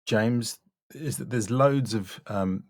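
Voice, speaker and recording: A man's voice: mid-range voice, takes it slowly, no room sound, studio quality. A man giving a spoken critique as a voice-over coach, blunt and instructive, with short emphatic remarks. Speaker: voice-over coach reviewing demo reels.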